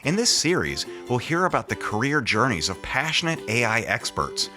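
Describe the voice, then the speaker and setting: A man's voice: medium pitch, sing-song, normal speed, over music. A man hosting a podcast, reading an introduction in an emphatic, punchy way. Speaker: podcast host. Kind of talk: scripted upbeat introduction, then interviewing.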